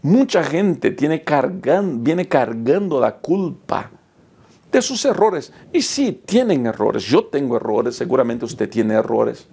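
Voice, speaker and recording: Man, 30s, pastor, sermon, gravelly, husky, impassioned preaching. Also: medium pitch, animated, takes it slowly, dark tone. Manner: impassioned preaching with rising and falling emphasis.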